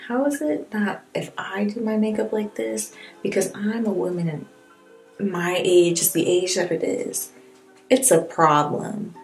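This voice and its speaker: Chatty woman with a gravelly edge. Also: medium pitch, unhurried, darkish tone, soft background music. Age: 20s. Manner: candid, rambling, wry and self-mocking. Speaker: beauty vlogger. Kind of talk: casual chatty makeup tutorial. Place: small indoor room with plain wall.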